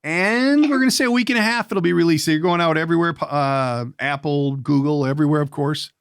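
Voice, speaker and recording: A man hosting a casual podcast interview, often repeating words and pausing as he feels his way through a sentence. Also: a little high, clear, resonant tone, dry recording, clean studio sound. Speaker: podcast host.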